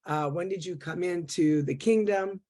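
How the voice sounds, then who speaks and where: A woman's voice: lowish voice, moderate pace, warm tone. A woman hosting a Christian interview show, upbeat and chatty with many fillers. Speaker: host.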